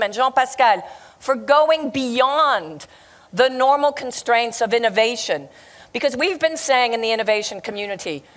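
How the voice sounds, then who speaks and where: A woman from Belgium with an American accent, giving a conference speech full of impassioned rhetorical questions. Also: sits high. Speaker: panel speaker.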